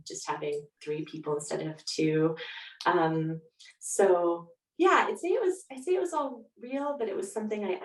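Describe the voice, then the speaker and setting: Echoey, distant Canadian woman, lower-pitched. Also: darkish tone. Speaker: author guest. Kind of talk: reflective conversational interview. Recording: echoey room, distant from mic.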